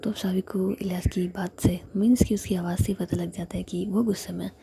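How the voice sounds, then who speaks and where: A woman retelling a story in a steady, continuous whisper. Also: lowish voice, a little fast, gravelly, a little hiss or hum.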